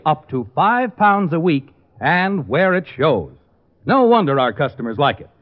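A polished, salesmanlike man announcing for a sponsor in 1940s radio style. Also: a little high. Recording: muffled old radio broadcast, music behind.

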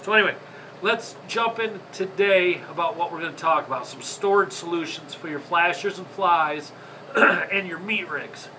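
A stuffy, congested man with a Michigan accent talks in a chatty, rambling way, apologizing as he goes. His voice sits a bit high and sounds bright and edgy. A faint room hum sits under the speech. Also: moderate pace, low-quality recording. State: congested from a sinus infection. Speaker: fishing channel host. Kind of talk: casual how-to video. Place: indoor tackle workshop.

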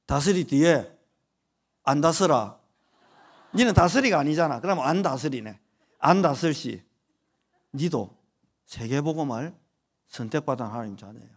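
A man in his forties preaches with a Gyeongsang accent in a church service, his voice sitting a little high for a man. He jokes and banters with the children in the pews, then swings back into fervent, loud preaching before dropping to quiet asides. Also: expressive, measured pace, long pauses, slightly rough. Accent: Gyeongsang Korean. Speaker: pastor. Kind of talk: sermon. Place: church sanctuary during worship.

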